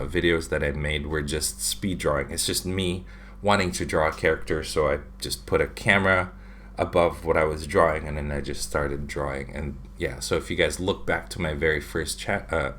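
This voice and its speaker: A man's voice: rumbling low, steady tone, normal speed, fairly bright tone, a little hiss or hum. A man in his thirties from the Philippines, hosting a casual livestream from his home room and answering viewer questions with lots of fillers. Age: 30s. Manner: chatty, reads viewer questions aloud with many fillers. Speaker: livestream host, drawing channel. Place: home room with shelves of figures. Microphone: webcam at desk.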